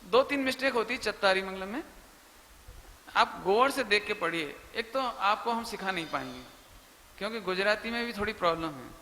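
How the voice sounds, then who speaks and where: A man's voice: high voice, expressive, normal speed, pushed and bright, big-room sound. A man giving a religious question-and-answer talk as a Jain preacher, explaining patiently and drawing out chanted syllables. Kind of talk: religious Q&A discourse.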